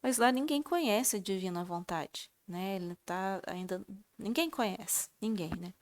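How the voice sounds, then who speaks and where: A woman chatting casually about her faith, laughing at herself and filling pauses with short tags. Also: mid-range voice, a little hiss or hum. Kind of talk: religious reflection, casual sharing.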